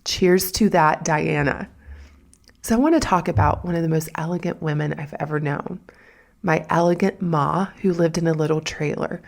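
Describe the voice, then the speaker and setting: A woman's voice: deep voice, normal speed, gravelly. A woman with a Southern US accent hosting a solo podcast, talking in a chatty, folksy way with asides to her listeners. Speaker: podcast host.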